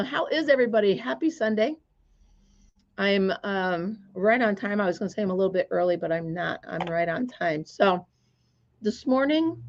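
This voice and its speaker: Hoarse-voiced woman hosting a craft livestream. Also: mid-range voice, lo-fi sound. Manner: chatty, greets viewers by name. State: voice hoarse and recovering. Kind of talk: casual livestream chat. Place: her store, indoors.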